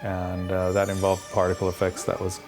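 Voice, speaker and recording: Gravelly low-voiced man from Iran. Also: monotone. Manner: reflective, unhurried storytelling with small restarts. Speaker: visual effects artist. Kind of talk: documentary interview. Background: soft guitar music.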